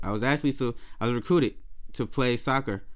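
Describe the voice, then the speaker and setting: A man talks fairly quickly in an American accent. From Togo, then Newark, New Jersey. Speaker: rapper and marketer. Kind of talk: casual podcast interview. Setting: podcast studio, also streamed live. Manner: energetic.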